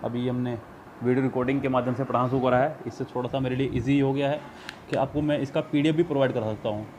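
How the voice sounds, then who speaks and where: A man with an Indian accent, a Hindi speaker, tutoring for an English exam over a screen recording, patiently explaining and reading English sentences slowly. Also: mid-range voice, steady tone, darkish tone, a little hiss or hum. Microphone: screen recorder mic.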